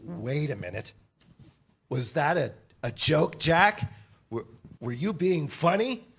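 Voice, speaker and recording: A man's voice: on the high side, very animated, slow, a little hiss or hum, exaggerated voice. Man acting a goofy, eager comic sidekick, wildly swooping. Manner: stammering, earnest, prone to bellowing. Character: goofy, dim, eager male sidekick and struggling actor. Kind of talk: staged comedy screenplay reading. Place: live staged reading in a church.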